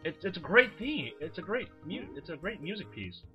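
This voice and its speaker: His voice sits high, bright and forceful, very animated at a moderate pace, as he gives casual, rambling let's play commentary that's informal and sweary. Video game music plays under a dull lo-fi mic.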